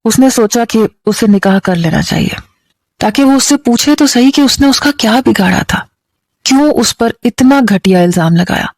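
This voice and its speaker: A woman storyteller with a Pakistani Urdu accent reading a dramatic story in a steady, emotive way. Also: on the high side, dry recording.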